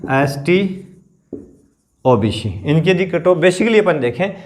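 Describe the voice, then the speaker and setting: Guy with teaching exam stuff, throat kinda sore, bit higher voice, keeps checking "theek hai na". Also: animated. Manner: explains slowly, repeats figures, keeps asking "theek hai na". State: sore throat, clears throat often. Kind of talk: explanatory coaching lesson.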